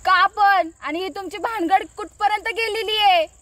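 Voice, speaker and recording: A teasing, bossy younger sister with a Marathi accent, played by an actress. Her voice is very high and ringing bright. She scolds with sure, quick confidence. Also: dry recording. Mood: scolding. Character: sharp-tongued teenage younger sister.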